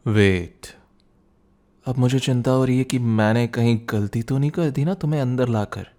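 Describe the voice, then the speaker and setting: A man voices a teasing, protective young student boyfriend in an intimate ASMR roleplay, his delivery soft and conversational. He speaks at normal speed in a mid-range voice, lightly acted, sounding teasing and wary.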